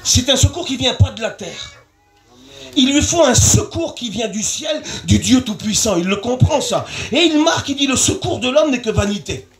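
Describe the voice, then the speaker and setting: A male pastor preaching an evangelistic sermon at an evening revival meeting under a large tent, fervent and repetitive, rising into shouts and sing-song phrases. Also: very high-pitched, expressive, normal speed, slight background noise.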